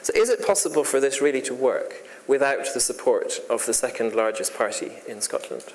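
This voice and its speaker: Brisk seminar chair in a reverberant room. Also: mid-range voice, animated, slight background noise. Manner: brisk, organizing. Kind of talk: chairing questions.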